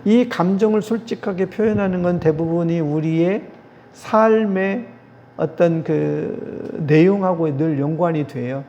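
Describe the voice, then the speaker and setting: Male pastor, gravelly mellow voice, earnest teaching sermon, dull lo-fi recording. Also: fairly high pitch, a little slow. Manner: earnest, repeats key phrases, acts out little prayers. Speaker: pastor or theology professor. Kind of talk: lecture-style sermon. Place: church meeting hall. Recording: dull lo-fi recording with faint noise.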